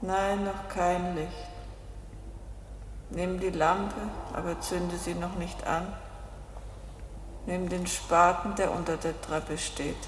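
An actress playing a cold, insistent woman who gives measured orders and goads in a crime radio play. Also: lowish voice, little pitch movement, long reverb tail, a little hiss or hum. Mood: hushed, commanding. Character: cold, commanding, goading woman accomplice.

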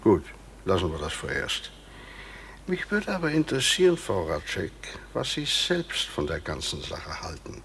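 An actor playing a formal, probing justice official in a radio crime drama, with measured, insistent questioning. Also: male voice, low voice, huge pitch swings, fairly bright tone, slight background noise, exaggerated voice. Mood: sceptical, pressing. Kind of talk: German radio play acting.

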